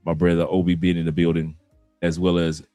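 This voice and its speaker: Male livestream host, low relaxed delivery, conversational shout-outs to viewers. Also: a little fast, no echo, soft background music.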